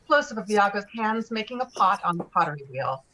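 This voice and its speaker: A woman's voice: medium pitch, very animated, fairly quick, bright, forceful tone, rough recording. A woman reading screenplay directions aloud at a table read in clipped, descriptive phrases. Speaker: stage directions reader.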